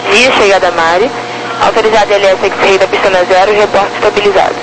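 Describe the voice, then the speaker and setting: A high-pitched male air traffic controller with a Brazilian accent comes through a crackly radio. He gives formal, procedural instructions through clear static. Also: fairly even intonation, fast. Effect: crackly aviation radio transmission.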